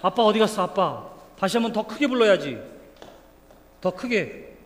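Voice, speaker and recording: The pastor's high, sing-song voice moves at a moderate pace as he playfully leads a children's sermon with a live demonstration. He coaxes the kids by name in a church sanctuary, recorded in a reverberant hall with faint room noise.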